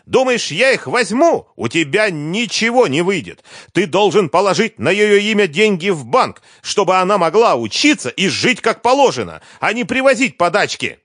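A man's voice: high voice, sing-song, normal speed, few pauses, fairly bright tone, dry recording, studio quality, voice pushed up, exaggerated voice. A male audiobook reader voicing a furious, grasping ex-wife who screams accusations. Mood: screaming fury. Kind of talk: audiobook character voice.

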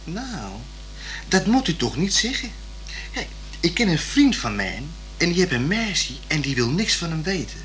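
Halting, animated young working-class bloke. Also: male voice, fairly high pitch, faint music behind. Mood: earnest. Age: young adult. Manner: halting, colloquial, repeating himself. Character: plain-spoken young working-class man, awkward, stubborn, good-natured. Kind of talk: naturalistic radio play dialogue.

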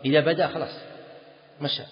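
A man's voice: fairly high pitch, steady tone, fast talker. A man teaching Islamic law in a lecture, quizzing students and repeating key phrases. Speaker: Islamic scholar teaching fiqh. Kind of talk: classroom lecture on a text. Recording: dull lo-fi audio in a reverberant hall.

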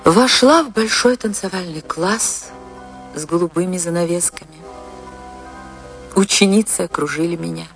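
An actress playing a famous dancer who recalls her tragic life in a measured, impassioned and sorrowful radio monologue with dramatic pauses. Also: on the low side, creaky, over music. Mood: solemn, resolute. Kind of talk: dramatic first-person radio play monologue.

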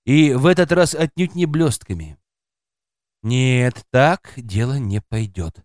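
A man's voice: medium pitch, expressive, takes it slowly, a little mellow, no room sound, studio quality. A man reading an audiobook aloud as scripted first-person narration, expressively voicing a woman narrator's inner thoughts.

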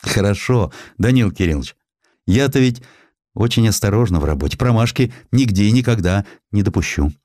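A man voicing a confident, bossy young female medic with a brisk, assertive manner. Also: lowish voice, expressive, darkish tone, no room sound, clean studio sound, close to an everyday voice. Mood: self-assured.

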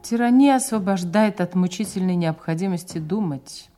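An actress playing a cynical, seductive cabaret singer in an audio drama, with a languid, teasing delivery. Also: female voice, lowish voice, moderate pace, dark tone, faint music behind, natural voice. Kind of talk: dramatic audio play dialogue.

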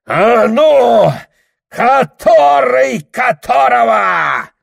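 A man voicing a huge, drunken, furious deacon who bellows long, drawn-out threats. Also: lowish voice, animated, fairly bright tone. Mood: bellowing.

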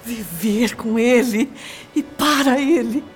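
A woman's voice: fairly high pitch, slow pace. An actress with a Brazilian accent playing an impulsive, lovesick young female spirit in a radio drama. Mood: fervent yearning. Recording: loud music over the voice.

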